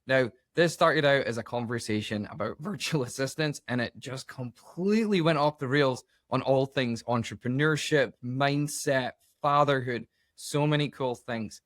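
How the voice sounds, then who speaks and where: A man's voice: medium pitch, moderate pace, hardly any pauses, a bit bright, dry recording, studio quality. A man hosting a podcast interview, talking in an upbeat, enthusiastic, chatty way. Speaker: podcast host.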